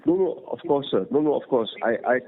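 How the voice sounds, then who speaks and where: A man asking questions as an analyst on an earnings call, speaking politely and haltingly. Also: mid-range voice, slight background noise. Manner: deferential, hesitant, halting. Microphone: telephone. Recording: narrowband phone line.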